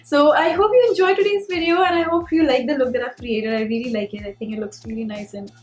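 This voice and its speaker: A woman's voice: high-pitched, fairly even intonation, quick pace, darkish tone. A young woman with an Indian Punjabi accent chatting casually and candidly as a beauty vlogger answering questions. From Mumbai, India. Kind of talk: casual chatty Q&A while doing makeup. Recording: roomy echo, music behind.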